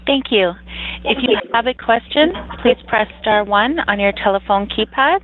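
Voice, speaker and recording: A woman's voice: a little high, normal speed. Formal female operator on a phone line. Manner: formal, procedural. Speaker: conference call operator. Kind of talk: scripted call announcements. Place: telephone conference call. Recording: narrow phone-line sound.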